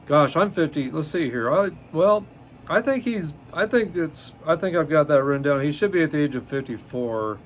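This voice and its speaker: A man's voice: a little high, expressive. Guy in his 50s doing a solo podcast, lots of ums and uhs, stops and corrects himself, faint noise in the back. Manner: halting, many ums and uhs, self-correcting. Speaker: podcast host. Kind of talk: casual solo podcast, reading notes.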